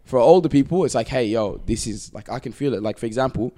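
A man's voice: medium pitch, fast, warm tone. A young man in a casual group chat, slangy and cutting in over others.

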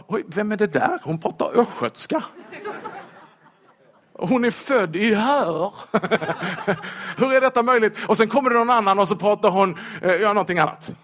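High-voiced lively Swedish preacher man. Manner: lively, humorous, asks rhetorical questions. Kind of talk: sermon. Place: church.

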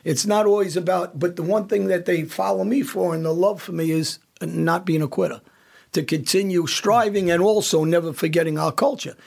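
A man with a gravelly, husky voice holds forth in casual podcast chat. He talks bluntly and with emphasis, often stopping to restart a sentence. His voice sits a little higher than most men's. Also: fairly even intonation, moderate pace. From United States. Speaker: podcast host.

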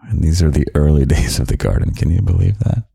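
A young man hosting a podcast of gentle, half-whispered comfort talk, slow and soft with quiet chuckles, close to the microphone. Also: rumbling low, gravelly, slightly rough, no echo. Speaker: podcast host.

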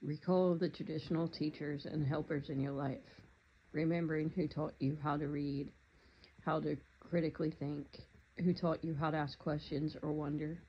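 Meditation guide, steady flat delivery, soft calm instructions, slightly muffled lo-fi recording. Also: mid-range voice, a little hiss or hum. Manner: calm, unhurried, gently instructive.

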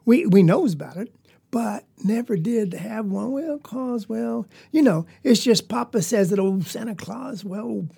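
A man's voice: sits high, lively intonation, measured pace, vocal fry, warm tone, husky, heavily acted. A man voicing an earnest, sincere poor rural boy with a rural Southern US accent, speaking in a folksy, rambling drawl. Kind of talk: storytelling monologue.

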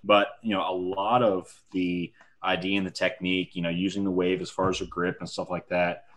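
A man's voice: sits low, little pitch movement, moderate pace, a bit bright. A man co-hosting a casual podcast chat, rambling with many restarts and laughing easily.

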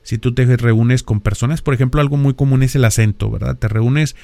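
A man's voice: mid-range voice, fairly even intonation, a little fast, vocal fry, warm tone, no room sound. Mexican man explaining with rhetorical questions. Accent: Mexican (northern, Monterrey). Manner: lecturing, peppered with rhetorical questions and tag "¿verdad?". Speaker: podcast host. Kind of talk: explanatory podcast monologue.

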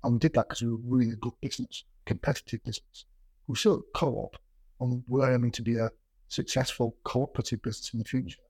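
A man's voice: mid-range voice, steady tone, quick pace, darkish tone, breathy edge, dry recording. A middle-aged man with a stammer that makes him repeat sounds and words, speaking in a plain-spoken, conversational interview style as a business executive. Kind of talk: reflective conversational interview with anecdotes.

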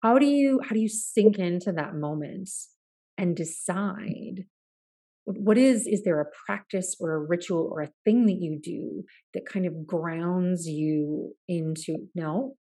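A woman hosting an interview in a low, mellow voice. She asks curious, probing questions in long, winding sentences, often restarting as she builds to the point. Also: unhurried. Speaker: podcast host. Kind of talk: conversational interview.

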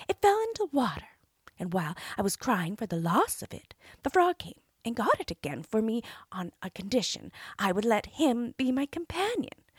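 A woman's voice: sits high, husky, no echo, clean studio sound, voice pushed up, exaggerated voice. A woman doing a fretful young princess. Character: frightened spoiled young princess.

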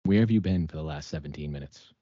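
A man's voice: very deep voice, fast, warm tone, no echo, muffled recording. A man co-hosting a casual whiskey tasting as a novice, playful and theatrical, fond of grand phrases.

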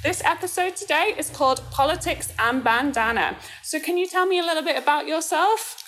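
A woman's voice: high voice, animated, brisk, fairly bright tone, slight background noise. A woman hosting a podcast interview in a bubbly, enthusiastic, encouraging way. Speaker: podcast host.

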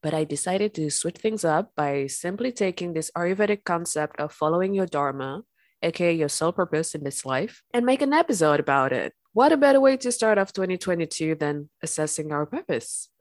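A woman hosting a spiritual podcast, talking gently and calmly while congested from an illness. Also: lowish voice, fairly quick, no room sound, studio quality. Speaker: podcast host. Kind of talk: calm spiritual podcast talk.

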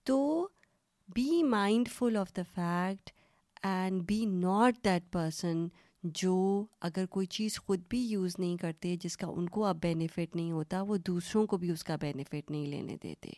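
A woman's voice: fairly low pitch, dark tone, dry recording, clean studio sound. A woman hosting a children's story podcast, telling stories and quizzing young listeners in a friendly, teacherly way that mixes Urdu and English.

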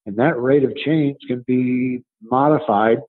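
In narrow, tinny audio, a man in his seventies who coaches and writes responds conversationally to interview questions. His voice sits in the mid range, and he explains haltingly, repeating words as he thinks things through.

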